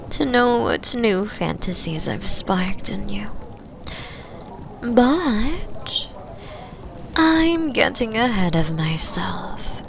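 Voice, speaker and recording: A woman playing a flirtatious, confident mature bar patron in an intimate roleplay, teasing and breathy, often dropping toward a whisper. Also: medium pitch, background noise, exaggerated voice. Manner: slow, sultry, breathy, drops into near-whispers. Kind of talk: binaural roleplay audio drama, intimate second-person acting.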